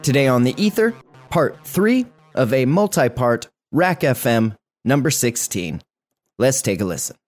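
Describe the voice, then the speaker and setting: Lively male announcer over electronic music. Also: mid-range voice, unhurried. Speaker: show announcer. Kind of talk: scripted show intro.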